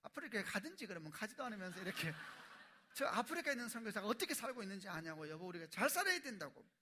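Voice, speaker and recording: A woman's voice: medium pitch, very animated, quick pace, slight background noise, voice pushed up, lightly acted. A man voicing his fretful wife as she insistently scolds her husband during a sermon. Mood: pleading scold. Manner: insistent, rising, repeats her point.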